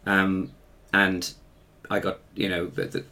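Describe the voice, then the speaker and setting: His voice sits low and monotone, slow-paced, with a bright, forceful tone. He's a musician and choir director in his fifties being interviewed, an English RP speaker from Africa and Ireland who later lived in England, recounting personal stories in a hesitant, self-correcting conversational style.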